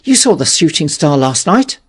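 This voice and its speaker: A man's voice: on the high side, big pitch swings, normal speed, breathy edge, voice pushed up. A man voicing an agitated male astronomer in an audiobook, exclaiming with breathless alarm and urgency. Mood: urgent excitement. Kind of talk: dramatised audiobook dialogue.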